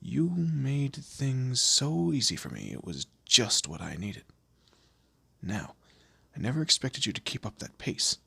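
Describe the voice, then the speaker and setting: A man playing a commanding, teasing demon lord in an audio roleplay, with a low gravelly, husky voice and an imperious, theatrical manner. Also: animated, measured pace, pushed and bright, dry recording, full character voice. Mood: measured praise. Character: male demon lord, commanding, menacing, teasing boss of hell. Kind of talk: scripted audio roleplay addressed to the listener.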